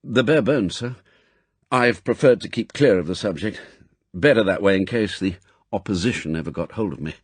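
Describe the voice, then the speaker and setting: A man's voice: on the low side, moderate pace, husky, no room sound. A man voicing a polite, earnest secret agent who speaks respectfully to his superior in an audiobook. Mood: curious, respectful. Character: deferential male secret agent, earnest, self-doubting subordinate. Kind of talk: audiobook character acting.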